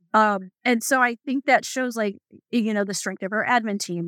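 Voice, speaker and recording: In a dry, close sound with no echo, a woman with an American accent talks at a fairly quick pace with fairly even intonation in an unremarkable speaking voice. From Arizona. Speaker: high school principal. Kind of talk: radio interview.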